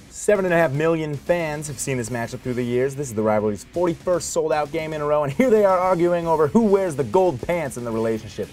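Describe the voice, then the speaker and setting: A man reading a scripted sports highlights voice-over in a punchy, wry manner packed with statistics. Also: darkish tone. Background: music bed under the voice.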